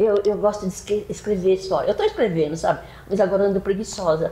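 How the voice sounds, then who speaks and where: Fairly quick delivery pairs with fairly even intonation. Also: woman. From interior of São Paulo state, Brazil (Tatuí). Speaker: poet. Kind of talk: interview. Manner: halting, with many fillers and repetitions.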